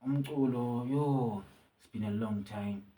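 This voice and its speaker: South African male musician guest, easygoing, hesitant restarts, mid-pitched. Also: low-quality recording. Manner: relaxed, halting with many restarts. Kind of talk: casual interview, code-switching.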